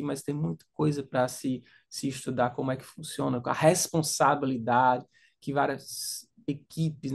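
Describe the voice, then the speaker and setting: A man's voice: a little high, vocal fry, darkish tone. A man with a Brazilian Portuguese accent, co-hosting a religious teaching podcast, speaking thoughtfully with hesitant restarts. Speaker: podcast co-host, Sunday school teacher. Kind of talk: casual religious podcast discussion.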